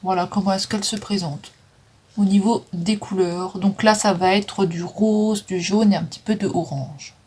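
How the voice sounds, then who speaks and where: A woman's voice: medium pitch, steady tone, moderate pace, a little mellow, slightly rough. A woman chatting casually through a makeup declutter, with frequent fillers, stumbling over English names. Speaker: vlogger selling makeup. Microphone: phone.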